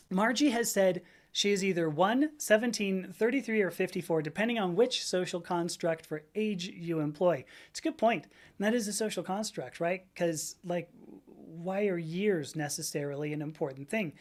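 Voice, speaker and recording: A woman's voice: lowish voice, a little mellow. A woman in her fifties hosting a livestream, chatting casually in a rambling way, laughing often and reading out viewers' comments. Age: 50s. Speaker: livestream host.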